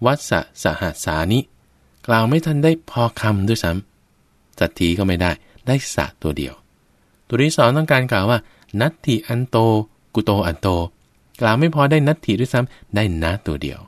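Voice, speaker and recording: Low-voiced man giving a Buddhist sermon. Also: no room sound. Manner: addresses listeners as "ท่านผู้ฟัง", explains with everyday examples. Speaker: Buddhist preacher.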